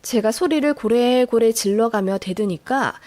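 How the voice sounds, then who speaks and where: A woman narrating a dramatized personal story in an expressive, emotional way. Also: a little high, moderate pace.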